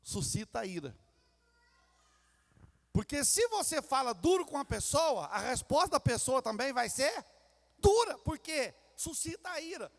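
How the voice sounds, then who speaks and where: A man's voice: very high voice, very animated, a little slow, gravelly. A man preaching a sermon as pastor in a church, with a Brazilian Portuguese accent, acting out family quarrels in little character voices. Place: church sanctuary. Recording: reverberant church hall.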